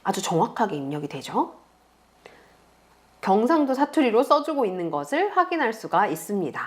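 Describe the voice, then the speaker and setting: A woman teaching beginners step by step in a calm, patient screen tutorial, speaking close to the mic. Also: medium pitch. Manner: patient, explains slowly to beginners. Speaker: online tutor.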